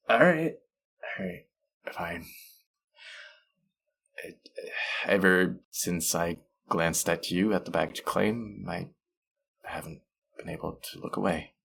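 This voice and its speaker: A man's voice: sits low, vocal fry, a bit bright, husky, full character voice. A man playing a friendly, teasing, slightly bashful young traveler in a casual, intimate one-sided audio roleplay. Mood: flustered, bashful.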